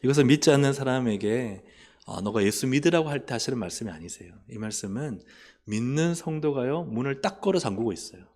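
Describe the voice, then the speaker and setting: A man preaching a sermon as pastor, asking the congregation questions and answering them himself, swinging from loud urging down to soft, low asides. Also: animated, brisk. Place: church sanctuary.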